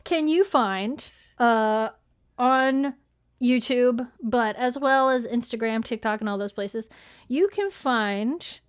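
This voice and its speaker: A woman's voice: a little high, takes it slowly, smooth. A woman chatting casually as co-host of a podcast live show, with a playful, self-deprecating, bantering manner. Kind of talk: casual chat, announcing channel updates.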